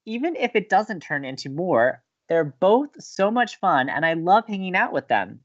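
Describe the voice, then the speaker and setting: A woman playing an earnest, excitable young college radio co-host and romantic, in a scripted audio drama. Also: on the low side, moderate pace, highs cut off. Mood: delighted.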